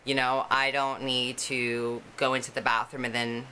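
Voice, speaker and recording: A young woman with a notably low voice speaks frankly to her camera, telling her own story. Her tone is bright and forward, and the talk is loose and conversational, full of fillers. A faint hiss sits under the recording. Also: little pitch movement, normal speed. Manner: candid, conversational, many fillers. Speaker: vlogger.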